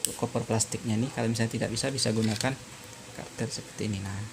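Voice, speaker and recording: A man narrating an informal hands-on repair tutorial as presenter, explaining step by step in a halting way with frequent pauses. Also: fairly low pitch, steady tone, vocal fry, noisy background.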